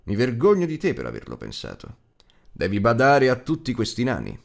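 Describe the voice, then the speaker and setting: A man's voice: medium pitch, huge pitch swings, a little fast, gravelly. A man voicing a stern, commanding old wizard in an audiobook, admonishing and teasing with emphatic delivery. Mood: grave warning. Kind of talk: audiobook character acting.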